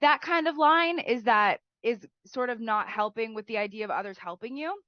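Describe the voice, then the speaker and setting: A woman's voice: a little high, normal speed, no echo, lo-fi sound. A woman teacher who is sick and sounds nasal, giving chatty writing feedback and often tagging "right?" onto her sentences.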